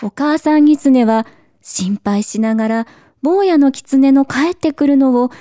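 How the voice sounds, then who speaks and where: A woman narrating a children's storybook in a gentle, measured way. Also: high-pitched, no room sound. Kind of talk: storybook reading.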